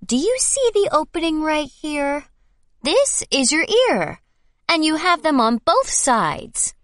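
Brief: kind mother hen, reassuring, unhurried. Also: high voice, sing-song, a bit bright, dry recording, studio quality, exaggerated voice. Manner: soothing, reassuring. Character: gentle caring mother hen.

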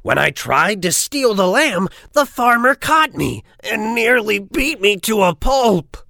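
An actor voicing a big, bossy, greedy male wolf in a children's cartoon story, gruff and threatening. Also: mid-range voice, very animated, takes it slowly, sharp tone, no echo, clean studio sound, exaggerated voice. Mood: bossy threat. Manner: gruff, threatening, gobbling and boasting.

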